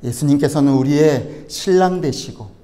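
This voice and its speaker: A male pastor preaching a sermon in an easy, conversational way. He puts questions to his listeners and speaks in a slightly higher-than-average voice. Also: normal speed, mellow. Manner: conversational, addresses the congregation with rhetorical questions.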